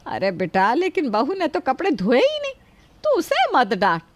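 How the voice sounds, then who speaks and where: A woman's voice: high-pitched, wildly swooping pitch, moderate pace, background noise. A middle-aged woman playing a kind, protective mother-in-law who scolds yet shields her daughter-in-law.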